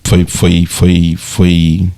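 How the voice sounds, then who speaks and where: A man's voice: low-pitched, completely flat delivery, drawn-out words, warm tone. A man in his thirties with a Brazilian accent, co-hosting a podcast in casual chat, reflective and hesitant, often repeating words as he searches for them. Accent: Brazilian Portuguese. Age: 30s. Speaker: podcast co-host.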